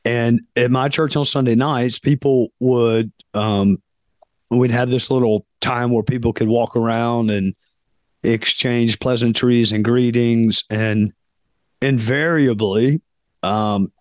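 Hoarse man hosting a podcast. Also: mid-range voice, fairly even intonation, no echo. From South Carolina, US. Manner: deliberate, pausing often with fillers. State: hoarse, losing his voice. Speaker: podcast host. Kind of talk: reflective podcast monologue.

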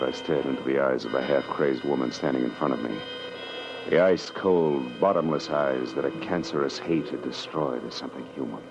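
An actor playing a tough, wry private eye in a 1940s radio detective drama, clipped, commanding and sardonic. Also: male voice, a bass voice. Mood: grim, brooding. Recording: muffled old radio recording, clear hiss.

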